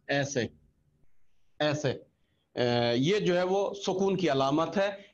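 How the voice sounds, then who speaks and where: A man's voice: fairly high pitch, dull audio. A man teaching an online Quran reading class, patiently repeating letter sounds for drilling.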